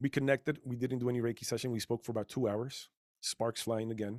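A man talks fairly quickly at medium pitch with fairly even intonation. The sound is dry and close with no echo, on a very clean recording with a silent background. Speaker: reiki master and music producer. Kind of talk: casual chat.

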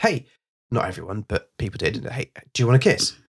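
Very fast speech in a British accent. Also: man. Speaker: podcast co-host. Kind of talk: casual chat. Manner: chatty.

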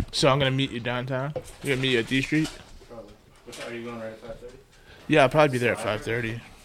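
Noticeable background noise sits behind a man talking at a very fast pace. His intonation stays monotone and flat, broken by long, frequent pauses. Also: medium pitch for a man, big swings in loudness. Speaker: podcast host, comedian. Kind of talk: casual comedy banter. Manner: casual, joking.

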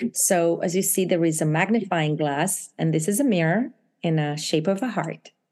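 In an Israeli accent, a woman with a fairly low pitch speaks at a moderate pace with ordinary pitch variation and very even loudness. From Israel (Jerusalem). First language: Hebrew. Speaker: author and therapist. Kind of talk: interview. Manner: animated.

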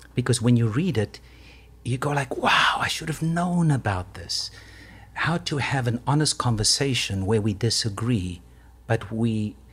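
A man at a medium pitch uses lively intonation, broken up by long, frequent pauses. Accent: South African. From South Africa. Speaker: pastor. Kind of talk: casual chat.

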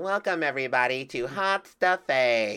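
A woman uses a put-on character voice with a very deep, low pitch. Her intonation is lively. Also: moderate pace. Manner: cheerful, announcing.

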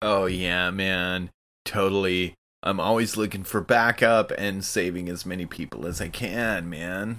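On a very clean recording with a silent background, a man with a very deep, low pitch and a bright, sharp tone speaks at a fairly slow pace with fairly even intonation. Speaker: role-play game player. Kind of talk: tabletop role-play. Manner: puts on Boston accent for character.

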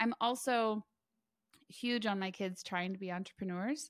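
On a very clean recording with a silent background, a woman uses an ordinary speaking voice at a medium pitch and a moderate pace. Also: dry, close sound with no echo. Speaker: CFO, author and business owner. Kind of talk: casual chat.

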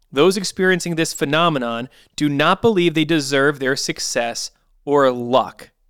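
An ordinary speaking voice from a man, fairly high in pitch, with lively intonation and a moderate pace, in a very clean, dry, close recording with no echo and a silent background. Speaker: podcast host. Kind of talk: casual interview chat.

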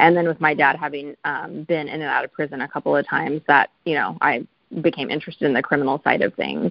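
A woman's very deep, low voice with vocal fry, ordinary pitch variation and a West Coast accent, delivered at a very fast pace. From Oregon, US. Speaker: family law attorney. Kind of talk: interview. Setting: call.

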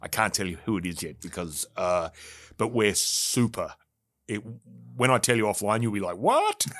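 A man with an Australian accent speaks at a moderate pace in a fairly low pitch, with ordinary pitch variation and long, frequent pauses. The recording is very clean, with a silent background. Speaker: bourbon distillery owner. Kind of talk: casual chat. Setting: at the distillery.

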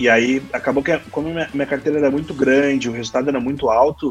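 This man's fairly high voice races along at a very fast pace. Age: 30s. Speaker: startup founder and CEO. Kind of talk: casual interview. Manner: halting, repeats words.

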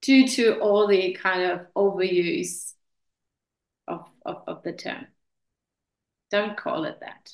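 A woman with a German accent talks very slowly at a medium pitch, with lively intonation, big swings in loudness and long, frequent pauses. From Germany. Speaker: university professor. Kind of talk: interview. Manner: hesitant, many filler words.

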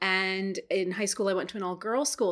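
This very clean recording with a silent background carries a woman's medium-pitched voice. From US, child of immigrants. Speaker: podcast host's wife. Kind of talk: casual chat. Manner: halting.

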